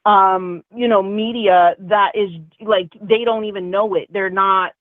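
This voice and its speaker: A woman's voice: medium pitch, steady tone, a little slow, dry recording. A woman calling in to a talk show, speaking casually and hesitantly, often restarting her sentences. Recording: narrow phone line.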